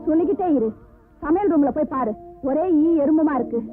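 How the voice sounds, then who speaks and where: An actress playing a stubborn young village wife in a film comedy scene, answering back defiantly. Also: female voice, sits high, expressive, brisk. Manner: defiant, sharp retorts. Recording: tinny lo-fi old film sound with music.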